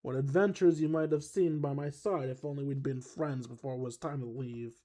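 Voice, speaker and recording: A player voicing a formal, wistful young man giving a measured farewell speech in a game. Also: medium pitch, fairly even intonation, dark tone, pitched below the performer's own voice, lightly acted. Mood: solemn. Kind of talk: voice acting a game character.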